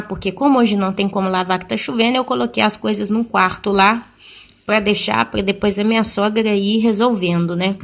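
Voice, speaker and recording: A woman's voice: medium pitch, creaky. A woman in her thirties or forties tells a personal testimony to her congregation, telling the story vividly. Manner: animated, acting out the people she quotes. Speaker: church speaker giving a testimony.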